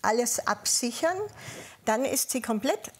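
Southern German woman, ex-cop guest, fairly high voice, talks slowly with lots of "ähm"s. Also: expressive, breathy edge. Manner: measured storytelling with frequent hesitations. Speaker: guest, former police officer. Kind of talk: panel talk, personal recollection.

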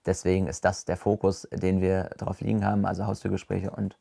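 A man's voice: deep voice, completely flat delivery, a little fast, gravelly, warm tone, no echo. A man in his twenties, a local political candidate, speaking earnestly in an interview. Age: 20s. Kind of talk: casual interview statement.

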